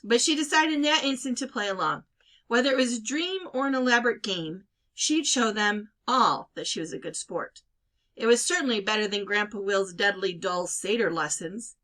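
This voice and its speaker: A woman reading a children's novel aloud as an expressive storyteller. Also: medium pitch, moderate pace. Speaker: storybook reader.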